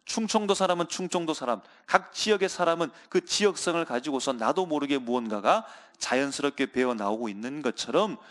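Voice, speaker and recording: A man's voice: fairly high pitch, a bit bright. Earnest preaching man. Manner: earnest preaching, addresses the congregation often, slows down for emphasis. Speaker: pastor. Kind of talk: sermon.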